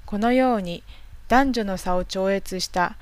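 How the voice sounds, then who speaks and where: A woman from northeastern Japan narrating a language lesson in a calm, measured, explanatory way. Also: medium pitch, clean tone, no echo. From Tohoku, Japan. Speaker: language teacher.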